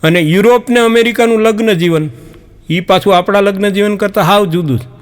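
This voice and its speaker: A man telling folk jokes on stage, acting out the characters in animated storytelling. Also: high-pitched, a little fast. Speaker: comedian storyteller.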